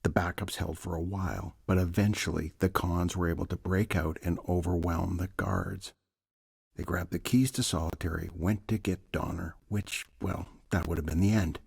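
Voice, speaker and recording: A weary older warden in a game, low and husky, grave pauses. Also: male voice, a little mellow, full character voice. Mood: weary, confiding. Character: weary imprisoned prison warden, grave and ominous. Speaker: prison warden character. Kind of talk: dramatic game cutscene acting.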